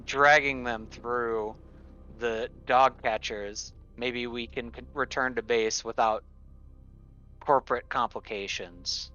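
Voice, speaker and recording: Male player, mid-pitched and bright, chatting through game plans, slightly muffled recording. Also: fairly even intonation, slow pace, faint music behind. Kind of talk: casual in-game discussion.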